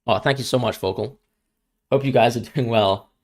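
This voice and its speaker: A man's voice: mid-range voice, moderate pace, darkish tone. A young man from Hong Kong with an international school accent, chatting casually on a live stream and answering viewers' questions, often stumbling over repeated words. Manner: chatty, repeats words when starting sentences.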